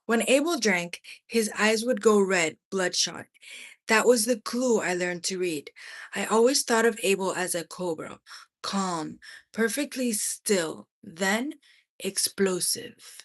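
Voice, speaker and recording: A woman reading a memoir aloud as expressive narration, in deliberate phrases with dramatic pauses. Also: mid-range voice. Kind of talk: expressive audiobook-style narration.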